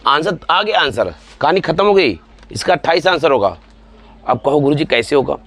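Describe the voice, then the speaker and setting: A man's voice: on the high side, big pitch swings, normal speed, a bit bright. A man in his forties teaching exam-prep math, talking students through each step, repeating himself and calling them friends and dear ones. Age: 40s.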